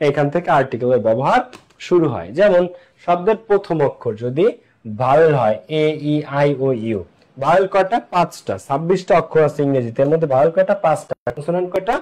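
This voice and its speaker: A man's voice: on the high side, animated, darkish tone. A man teaching English grammar in an online class, asking questions and answering them himself. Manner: asks and answers his own questions, repeats key points; slows down to spell out English examples.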